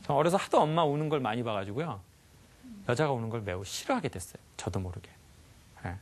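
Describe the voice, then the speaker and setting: A man giving a lively life lecture to a live audience, often asking them questions and acting out sounds. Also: mid-range voice, fast. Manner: animated, asks the audience questions, acts out sounds.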